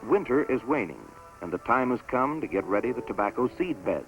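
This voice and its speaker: A man giving scripted narration for a promotional documentary film in a measured, stately announcer delivery. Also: mid-range voice, big pitch swings, low-quality recording. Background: orchestral music score.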